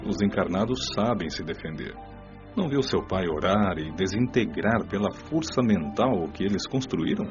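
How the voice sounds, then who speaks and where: A man playing a calm, wise spirit mentor in a radio drama, speaking in a composed, instructive way. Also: deep voice, moderate pace. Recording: dull lo-fi audio with clear music.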